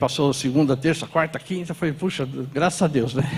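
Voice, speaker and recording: Noticeable background noise sits under speech delivered at a very fast pace with ordinary pitch variation. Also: man. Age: 60s. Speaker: pastor. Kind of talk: sermon. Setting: church.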